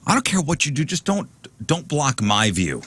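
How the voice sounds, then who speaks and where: A man's voice: fairly high pitch, normal speed, husky. A man hosting a radio show, reading out poll questions and results in casual banter. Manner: reads out poll results, lively back-and-forth. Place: radio studio.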